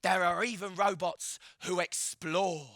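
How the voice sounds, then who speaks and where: A man presenting a live children's science show with an excitable, theatrical manner, urging the audience to cheer. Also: high-pitched, a little slow, no room sound. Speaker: stage presenter. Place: live event hall with an audience. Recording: music playing behind.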